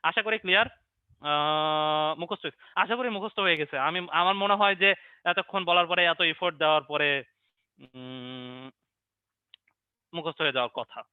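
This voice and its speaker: A man's voice: a little high, normal speed, long pauses, smooth, no echo. A young man teaching an online biology class, asking questions, answering them himself and repeating memory tricks. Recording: dry, narrow phone-like online stream.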